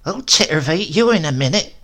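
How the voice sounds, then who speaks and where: A man's voice: a little high, big pitch swings, normal speed, sharp tone, voice pushed up. A man reading a storybook aloud and voicing a tart, bossy old grandmother who shrills and scolds. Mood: scolding.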